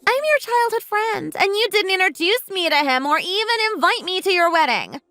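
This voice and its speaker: Lady doing a smug mean girl, high and swoopy, dry close sound. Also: sing-song, normal speed, pushed and bright, no echo, soft background music, heavily acted. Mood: mocking. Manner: taunting, self-admiring, sing-song. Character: vain, scheming young woman, smug and mocking.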